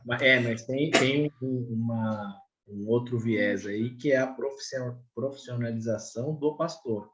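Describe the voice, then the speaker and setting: A man in a casual group discussion who speaks haltingly and leans on fillers. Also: medium pitch, fairly bright tone, muffled recording. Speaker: study group participant.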